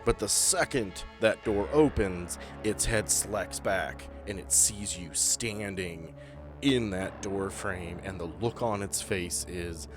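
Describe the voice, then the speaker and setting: A man with a very low, deep voice guides players through a creepy tabletop adventure, building dread with measured pauses. Soft music plays faintly beneath him. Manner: descriptive, builds tension with pauses. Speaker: game master. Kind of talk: narrating a tabletop horror game.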